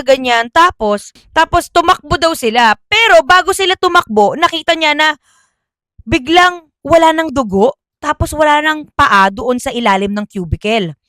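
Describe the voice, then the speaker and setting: A woman's voice: high voice, fairly bright tone, no room sound. A woman telling a school ghost story in a casual, chatty way. She often stops to correct herself. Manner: chatty, self-correcting, Taglish.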